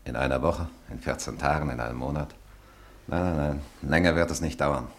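Very deep, gravelly loyal friend. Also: male voice, exaggerated voice. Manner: measured, consoling. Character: deep-voiced loyal French friend, calm and reassuring. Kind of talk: German radio drama acting.

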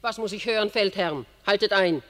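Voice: mid-range voice, moderate pace, a bit bright, close to an everyday voice. A performer playing an imperious queen who pleads and mediates in a classical verse radio play, urgent and declamatory. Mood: urgent, pleading. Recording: long reverberant hall sound.

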